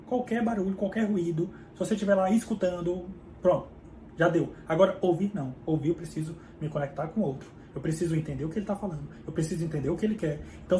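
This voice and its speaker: This book summary host speaks in a high-pitched, slightly mellow voice with a Brazilian Portuguese accent. His casual, conversational explanations are peppered with check-ins like "tá?" and "certo?". There's an echo in the room and a faint hum behind him.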